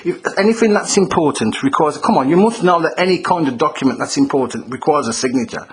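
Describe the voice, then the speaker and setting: A man's voice: a little high, animated, quick pace. A man with a Black Country accent making a complaint by phone, talking in an insistent, argumentative and informal way, often repeating himself.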